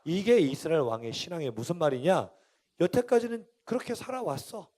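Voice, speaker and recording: A male pastor preaching a sermon in a church, emphatic and demanding, who has the congregation repeat after him and swings from shouting to quiet asides. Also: on the high side, big pitch swings, brisk. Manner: switches between shouting and quiet, intimate remarks. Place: church sanctuary.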